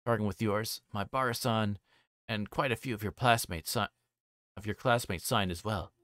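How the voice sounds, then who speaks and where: Man acting out a probing, low-voiced older detective. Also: moderate pace, a bit bright, natural voice. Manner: polite, leading questioning. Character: probing older male police detective, politely insistent. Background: music behind the voice.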